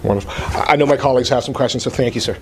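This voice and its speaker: A man interviewing a fighter, asking his questions haltingly and often stumbling over and repeating words. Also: medium pitch, creaky, slight background noise.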